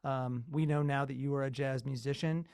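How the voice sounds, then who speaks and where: A man hosting an interview, asking measured questions and affirming his guest's answers. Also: medium pitch, steady tone, gravelly, darkish tone, clean tone, dry recording, clean studio sound. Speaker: interviewer host.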